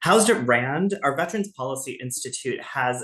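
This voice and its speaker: A man speaks at a fairly quick pace with a medium pitch. His intonation is lively. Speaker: research institute co-director and webinar moderator. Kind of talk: webinar introduction. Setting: online webinar. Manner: fast.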